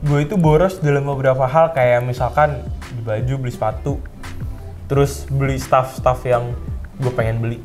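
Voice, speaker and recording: A man's voice: medium pitch, normal speed, faint music behind. A man, leading a casual chat and joking with friends. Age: 20s. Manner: relaxed, questioning, joking. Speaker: office worker, interviewer.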